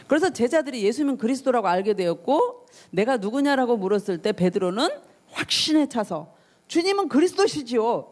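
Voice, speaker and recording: A woman's voice: medium pitch, a little mellow. A woman pastor giving a youth sermon. She reads scripture, then explains it in a conversational way and asks her listeners questions.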